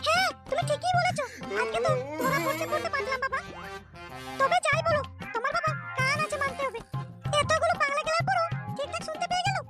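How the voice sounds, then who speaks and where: A woman voicing a squeaky young girlfriend in a comic cartoon, sweet but anxious and given to scolding. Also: fast talker, bright, forceful tone, faint music behind. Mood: sweet, worried.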